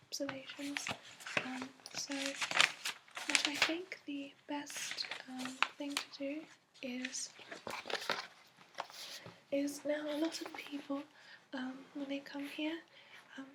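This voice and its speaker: A woman with a high, soft voice that often slips toward a whisper, performing an ASMR roleplay in a put-on accent. She explains things gently and haltingly, pausing often like a patient guide. A noticeable faint hiss sits under the recording. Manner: gentle, halting, unhurried explaining with many pauses. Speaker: ASMR roleplay host playing a dragon expert.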